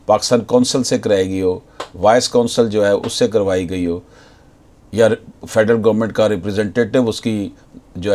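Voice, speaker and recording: A man with a Pakistani accent giving a legal lecture as an advocate, deliberately reading out passages and then explaining them. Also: on the low side, darkish tone. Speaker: advocate explaining case law.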